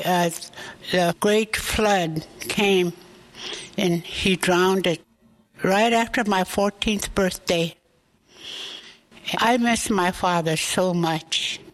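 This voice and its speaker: Woman in her eighties, oral history interviewee; slow, halting, reflective delivery. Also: mid-range voice, poor audio. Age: 80s. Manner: slow, halting reminiscing with pauses. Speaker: interviewee sharing her life story.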